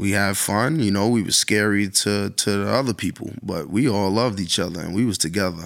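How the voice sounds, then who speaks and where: In a New York accent, a man talks at a fairly quick pace with a fairly low pitch and ordinary pitch variation. The recording is very clean, with a silent background. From New York, Queensbridge. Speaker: musician, rapper's brother. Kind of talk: casual chat.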